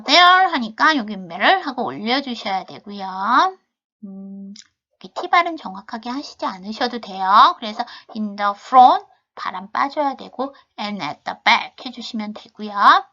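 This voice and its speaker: A woman teaching travel English, reading model sentences slowly and carefully, then explaining them in Korean. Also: on the high side, lively intonation, bright, forceful tone, lo-fi sound. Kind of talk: video lesson on travel English.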